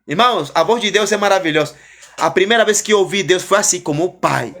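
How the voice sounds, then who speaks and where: A preacher gives an emotional religious testimony, fervent and repetitive, his voice often rising and then falling soft. He speaks fairly quickly, and his voice sits high.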